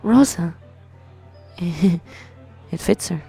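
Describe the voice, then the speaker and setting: Man doing a little girl, high voice, eager, sweet, childlike, visual novel character, music behind. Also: animated, extremely slow, gravelly, warm tone, husky, exaggerated voice. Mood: fond.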